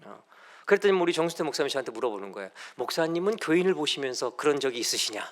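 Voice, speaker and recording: A middle-aged male pastor preaching a sermon in a church, moving between loud urging and soft asides. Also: on the high side, animated, fast. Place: church sanctuary.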